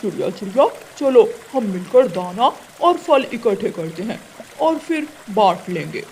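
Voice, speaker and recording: A woman doing a loud gloating bully crow. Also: mid-range voice, very animated, measured pace, a little hiss or hum. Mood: scheming. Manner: gloating, loud, with mocking laughs. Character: boastful bullying male crow, greedy.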